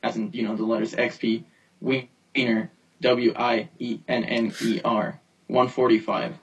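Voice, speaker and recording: A man's voice: medium pitch, flat delivery, unhurried, vocal fry, husky, recorded from a distance, poor audio. A man co-hosting a casual podcast chat, hesitant with many fillers, his call voice replayed through a speaker and picked up by a phone held up to it. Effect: remote call voice replayed through a speaker and picked up by a phone. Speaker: podcast co-host.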